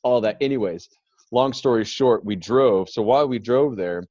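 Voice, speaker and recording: A man's voice: medium pitch, normal speed, darkish tone, dry recording. A man hosting a casual podcast chat who tells long rambling stories, restarts often and laughs easily. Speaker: podcast host. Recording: dull lo-fi dry sound.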